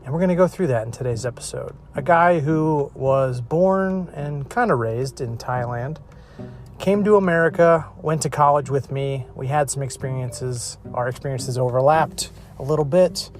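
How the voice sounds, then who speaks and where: A man's voice: mid-range voice, normal speed, faint music behind. Upbeat chatty man hosting a podcast. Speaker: podcast host. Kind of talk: casual interview chat.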